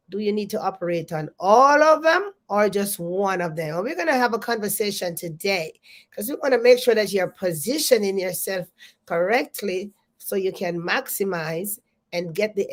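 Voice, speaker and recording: A woman hosting a live business coaching show, congested and talking energetically to her viewers, often repeating her greetings and questions. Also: mid-range voice. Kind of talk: live stream talk to viewers.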